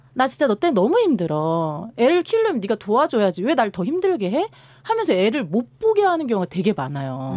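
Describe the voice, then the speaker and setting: A woman's voice with very wide pitch swings, dry with no echo, over a quiet background. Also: fairly quick pace. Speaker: legal commentator or radio guest. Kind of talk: radio talk explanation. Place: studio. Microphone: studio mic.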